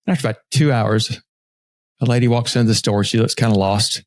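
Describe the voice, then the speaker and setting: A middle-aged man spins a casual, profane story as a podcast host. His voice sits at an ordinary male pitch and is recorded very dry, with no room sound at all. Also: fairly even intonation, brisk, no room sound. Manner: profane, conversational.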